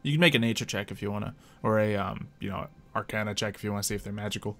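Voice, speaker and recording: A man's voice: fairly low pitch, rapid-fire, fairly bright tone. A man speaking casually as game master of a tabletop roleplaying game, narrating and chatting with players. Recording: music behind the voice. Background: music.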